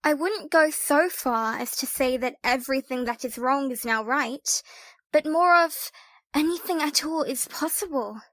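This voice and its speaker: A woman's voice: high voice, unhurried, a bit bright, no room sound. A woman playing a sceptical, analytical young adventurer in an audio drama, questioning and reasoning things out. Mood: sceptical, thoughtful.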